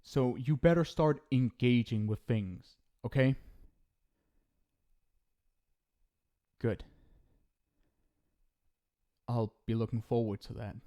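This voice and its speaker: A man's voice: on the low side, warm tone, close to an everyday voice. A man playing an affectionate, centuries-old ghost soulmate in an intimate ASMR roleplay, speaking casually and hesitantly. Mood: shy, tender. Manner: casual, hesitant, tender, reassuring.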